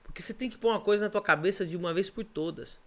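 A Brazilian pastor with a Brazilian Portuguese accent preaches emphatically on a podcast, repeating his points and firing off rhetorical questions. His voice sits high with a fairly bright tone, and he races along.

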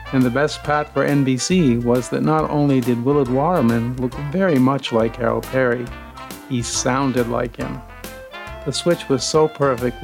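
A man hosting a podcast, giving a measured, formal scripted introduction to old-time radio. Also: mid-range voice, gravelly. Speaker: podcast host. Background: soft guitar music.

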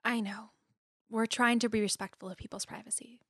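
A woman's voice: fairly high pitch, steady tone, fairly quick, fairly bright tone, slightly rough, no echo. Woman acting as young female student, guarded, dryly witty, anxious underneath, dry close recording, audio drama. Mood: dry, resolute.

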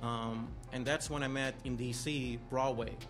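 A man's voice: medium pitch, fairly even intonation, measured pace. A man from Austria with an Austrian accent, a guest telling his story in a casual interview, easygoing and self-deprecating. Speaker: guest, music A&R. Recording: music playing behind.

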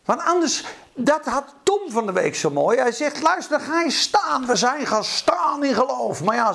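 A man preaching a charismatic sermon in an impassioned way, acting out quotes and breaking into sudden shouts. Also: very high-pitched, vocal fry.

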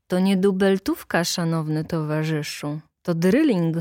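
A woman's voice: lowish voice, a little slow, darkish tone, no room sound, clean studio sound, close to an everyday voice. A woman reading a story aloud and voicing a boastful, tipsy male local official who talks in a bluff, showy, persuasive way.

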